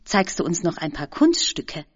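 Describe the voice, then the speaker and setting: A woman reading as a gentle, polite old man. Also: lowish voice, sing-song, highs cut off. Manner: courteous, slow and reflective.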